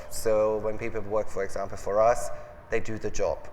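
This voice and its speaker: A man's voice with audible room echo. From Germany. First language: German. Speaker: fashion magazine editor. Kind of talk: panel interview at an event. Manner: halting.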